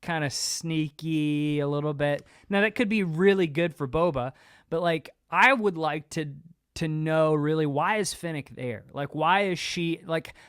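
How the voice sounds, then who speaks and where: A man's voice: fairly high pitch, unhurried, fairly bright tone, smooth, dry recording. Casual male podcast host, dry close sound.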